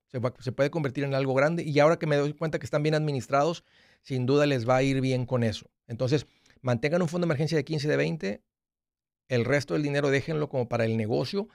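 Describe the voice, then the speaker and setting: A man's voice: mid-range voice, gravelly, no echo. A man in his forties hosting a money advice call-in show from a small studio, talking directly and often restarting his words. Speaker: radio show host giving money advice. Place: small studio with acoustic foam wall. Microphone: studio mic with headphones.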